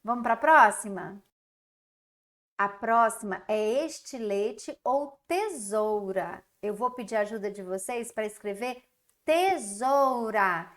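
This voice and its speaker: A woman's voice: medium pitch, slow pace, fairly bright tone. A Brazilian woman teaching young children in a recorded class, stretching out syllables in a sing-song, encouraging way. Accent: Brazilian Portuguese. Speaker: primary school teacher.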